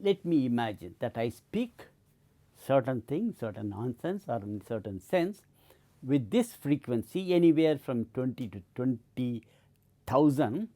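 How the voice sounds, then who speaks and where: A man's voice: mid-range voice, sing-song, unhurried, warm tone. A middle-aged man giving an explanatory lecture, often repeating and restarting his points. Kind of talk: educational lecture.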